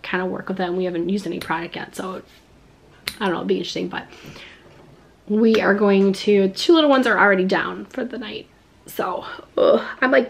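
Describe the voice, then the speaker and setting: A woman's voice: medium pitch, creaky, slight background noise. A woman in her thirties chatting to the camera in her home kitchen, a little stuffed up with a slight cough, full of "like" fillers. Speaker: vlogger. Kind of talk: casual chat to camera. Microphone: camera at close range.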